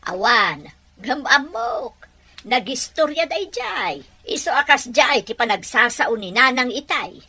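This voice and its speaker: A woman acting as a weary, resentful mother in an amateur audio drama, with drawn-out delivery. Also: fairly high pitch, expressive, pushed and bright, husky, full character voice. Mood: smug, gossiping.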